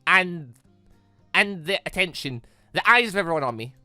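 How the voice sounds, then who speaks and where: Man playing fretful teenage girl, hesitant, self-doubting, lively pitch, visual novel game character, dry sound. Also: normal speed, no echo, soft background music, exaggerated voice. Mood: nervous, doubtful.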